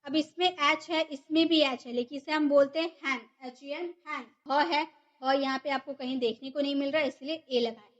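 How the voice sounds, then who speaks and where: A woman's voice: high voice, fairly even intonation, normal speed, muffled recording. A woman teaching a grammar lesson, who explains step by step and asks and answers her own questions. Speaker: English teacher.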